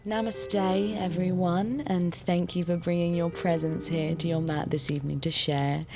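Woman as a lofty yoga instructor, deep and airy, music in the background. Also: fairly even intonation, normal speed, close to an everyday voice. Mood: serene. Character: pretentious female yoga instructor, serene and lofty. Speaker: yoga teacher. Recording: music playing behind.

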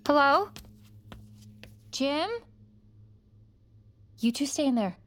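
A woman's voice: high-pitched, expressive, extremely slow, fairly bright tone, slight background noise, full character voice. An actress in her thirties playing a worried mother in an audio drama, firm but kind. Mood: frightened. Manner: firm, caring.

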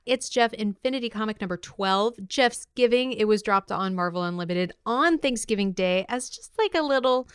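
A woman co-hosting a podcast, chatting casually in a playful, expressive, gushing manner. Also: mid-range voice, moderate pace, hardly any pauses, smooth, no echo, clean studio sound. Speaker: podcast co-host.

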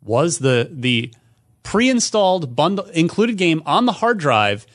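A man's voice: on the high side, very animated, slow pace. A man hosting a casual gaming panel show, talking in a teasing, conversational way. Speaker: podcast host and quizmaster.

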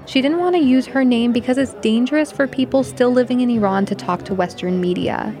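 A woman reporter reads a scripted news story in a measured, clear way. Her voice sits fairly high, and music plays under her narration.

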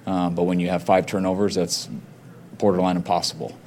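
Flat deep-voiced coach at press conference. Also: male voice, slight background noise. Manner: halting, lots of fillers, measured. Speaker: head coach. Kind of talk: post-game press conference.

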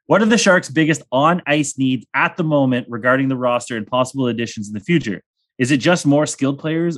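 A man's voice: medium pitch, fairly bright tone. Rambling joking young male podcast host. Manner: joking, rambling, crude humor. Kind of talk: casual sports chat.

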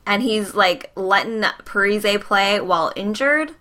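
A woman in a casual hockey chat, animated and rambling, with some profanity. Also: medium pitch, unhurried.

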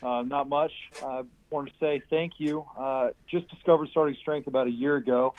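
A man's voice: medium pitch, fairly even intonation, moderate pace, slight background noise. A young adult man calling in to a radio show over the phone, friendly and upbeat. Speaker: caller. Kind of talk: call-in radio chat. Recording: tinny phone line.

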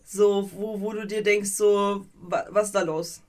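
A woman co-hosting a podcast in casual chat, animated and rambling, with many fillers and a playfully mocking edge. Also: mid-range voice, measured pace. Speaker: podcast co-host.

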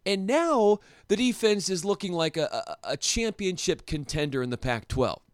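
A young man hosting a solo sports podcast, talking in an animated, excitable way with frequent restarts and rhetorical questions. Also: sits high, moderate pace, no echo, clean studio sound. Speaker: podcast host.

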